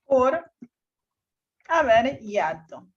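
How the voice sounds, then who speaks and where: A woman teacher explaining spelling rules to her class, often checking in with a quick "tá?". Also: high voice, big pitch swings, dull audio. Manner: checks understanding with frequent "¿tá?". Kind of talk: classroom lesson on Spanish accent rules.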